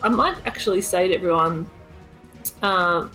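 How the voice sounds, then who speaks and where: A woman's voice: fairly low pitch, moderate pace, sharp tone, poor audio. A woman talking casually as a tabletop game player, thinking aloud as she decides her moves. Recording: music underneath.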